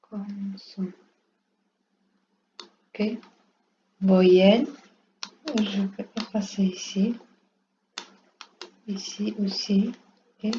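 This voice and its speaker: Woman teacher, slow patient classroom explanations, warm low tone, muffled lo-fi recording with light hiss. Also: steady tone. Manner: repeats "ok" often, simple halting phrasing. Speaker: French teacher. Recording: dull lo-fi recording with faint room noise.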